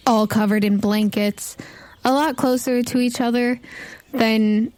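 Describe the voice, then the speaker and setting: A woman's voice: a little high, steady tone, a little slow, darkish tone, no echo. A woman acting as game master, narrating a tabletop role-playing game in a conversational way.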